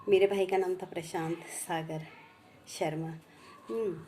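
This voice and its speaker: A woman speaking slowly and heartfelt as she recalls her past, repeating each phrase twice. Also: on the low side, steady tone, dark tone, a little hiss or hum. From India. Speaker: vlogger sharing memories. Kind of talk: personal reminiscence.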